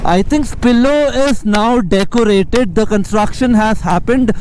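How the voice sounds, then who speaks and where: Man, Indian accent, high-pitched voice, casual ride vlog, chatty, windy outdoor recording with engine noise. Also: measured pace, darkish tone, rough recording. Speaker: motorcycle travel vlogger. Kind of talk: casual spoken ride commentary. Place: outdoors on a motorcycle on a mountain road. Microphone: action camera microphone while riding.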